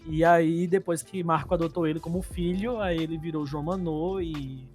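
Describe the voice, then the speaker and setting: A man from Paraíba with a Northeastern Brazilian accent, co-hosting a podcast and telling stories in an animated, laughing way. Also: a little high, moderate pace, soft background music. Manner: animated storytelling, laughs often. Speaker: podcast co-host. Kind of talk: casual chat.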